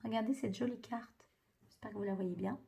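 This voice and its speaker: A woman's voice: on the high side, steady tone, a little fast, gravelly, dark tone. A woman doing a spiritual card reading for viewers, hesitant and full of fillers and restarts. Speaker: tarot card reader.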